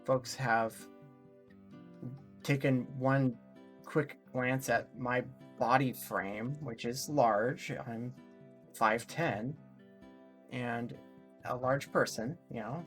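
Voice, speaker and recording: A woman chatting casually and personally as a co-host, in a halting, reflective way with frequent pauses. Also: a bass voice, soft background music. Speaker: co-host answering audience questions.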